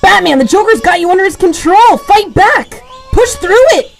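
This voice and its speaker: A woman's voice: extremely high pitch, lively intonation, moderate pace, gravelly, full character voice. A woman playing a brave, defiant young boy superhero sidekick in a radio drama, speaking with intense, earnest pleading. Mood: urgent pleading.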